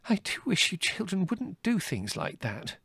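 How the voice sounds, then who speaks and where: A flustered middle-aged English mother from a storybook, voiced by a man. The voice is lifted well above a man's usual pitch, weak and plaintive, gently scolding and soothing in a dry, close recording. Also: sing-song, moderate pace, vocal fry, breathy edge, dry recording, exaggerated voice. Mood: shaken, reproachful.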